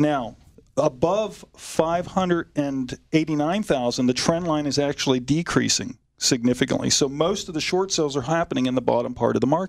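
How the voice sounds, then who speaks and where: A man is talking. His pitch varies in an ordinary way over a quiet background. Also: moderate pace. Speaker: radio guest. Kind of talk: radio talk show discussion. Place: studio. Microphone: headset.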